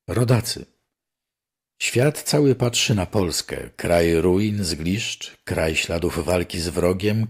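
Older male reader, low husky voice, formal declamatory delivery of archival news. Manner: measured, declamatory reading. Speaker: newspaper reader. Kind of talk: formal reading of old newspaper articles.

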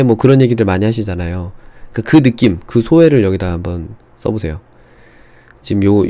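Male streamer, relaxed mellow tone with lively pitch, walks viewers through charts in a dry, close recording. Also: no echo. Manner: explains slowly, stretching words, reads viewer chat aloud. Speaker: stock market streamer. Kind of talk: live-streamed trading lesson.

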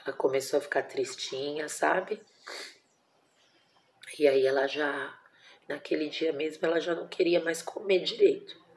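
A woman's voice: deep voice, steady tone, normal speed, pauses often, a little mellow. A Brazilian woman in her forties, a mother telling a personal story at home in a casual vlog, emotional and tender, full of diminutives and fillers. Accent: Brazilian Portuguese. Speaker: vlogger, mother.

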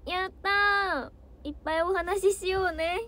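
A woman's voice: very high-pitched, fairly even intonation, unhurried, pushed and bright. A young woman, an idol trainee, chatting casually on a livestream, bubbly and easily flustered as she answers comments.

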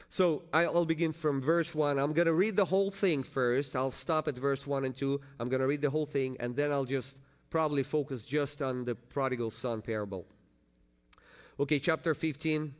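Preaching pastor, rising and falling. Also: male voice. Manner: swells loud and high on emphasis, then drops low and soft; reads scripture aloud, then explains it in plain words. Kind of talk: sermon. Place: church.

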